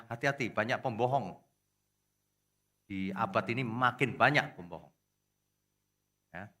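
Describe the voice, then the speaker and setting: A middle-aged male pastor preaching a sermon, animated, scolding and joking with his congregation and acting out quotes in voices. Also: mid-range voice.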